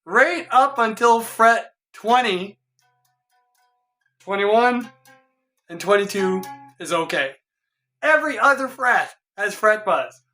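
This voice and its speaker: A middle-aged man with a hoarse voice, a guitar tech in a casual vlog, puzzled and exasperated as he thinks aloud in his home workshop. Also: high voice, lively intonation, takes it slowly, pauses often, pushed and bright. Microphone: camera a few feet away.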